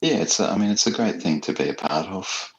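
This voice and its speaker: A man's voice: sits low, a little fast, low-quality recording. A man chatting casually as an interview guest, reflective and appreciative, feeling his way through his thoughts. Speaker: writer, podcast guest.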